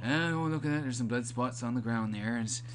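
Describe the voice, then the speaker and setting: A man's voice: mid-range voice, a little fast, lightly acted. A man voicing a chatty, unbothered janitor who mutters mildly in a joking game commentary. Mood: nonchalant. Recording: clearly noisy home recording.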